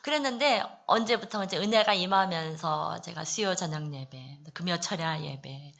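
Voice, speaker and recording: A woman from the Daegu area giving an earnest church testimony, confiding and personal, with many soft fillers. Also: fairly low pitch, normal speed, creaky. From Daegu, South Korea. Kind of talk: testimony at a prayer meeting.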